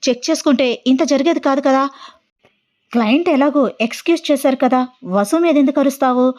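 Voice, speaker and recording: A woman's voice: high-pitched, a little fast, darkish tone, pitched above the performer's own voice, close to an everyday voice. A woman voicing a young man who is a loyal friend, speaking in a soothing, reasoning way.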